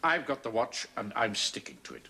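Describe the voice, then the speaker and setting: An actor playing a pompous, stuffy middle-aged officer who sounds indignant and self-important. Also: male voice, medium pitch, wildly swooping pitch, a little fast, vocal fry, bright, forceful tone, exaggerated voice. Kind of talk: 1970s TV sitcom acting.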